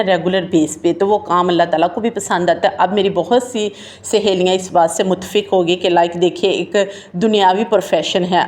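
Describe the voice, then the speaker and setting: A woman's voice: lowish voice, darkish tone. A woman giving a casual, heartfelt talk straight to her listeners, whom she calls her sisters and friends. She speaks in a loose conversational flow and often leans on the filler "jo hai na". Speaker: motivational talk host.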